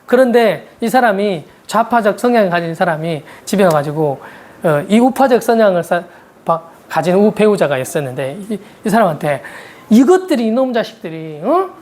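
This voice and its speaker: A woman delivering a sermon in a relaxed, conversational tone. Her pitch rises and falls widely as she tells a story. She keeps asking her listeners rhetorical questions. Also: normal speed. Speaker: preacher.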